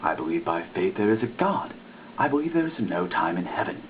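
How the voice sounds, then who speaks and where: A man's voice: deep voice, very animated, brisk. A man giving a dramatic reading of a written text, with a theatrical, emphatic delivery. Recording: tinny lo-fi recording with faint hiss.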